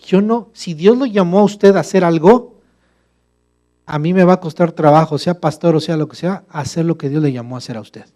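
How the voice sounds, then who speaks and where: A man's voice: a little high, normal speed, dark tone. A male pastor preaching a sermon, emphatic and full of rhetorical questions to the congregation.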